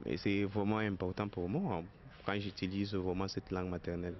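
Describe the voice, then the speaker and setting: Deep monotone man. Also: brisk. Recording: dull lo-fi street recording with hum.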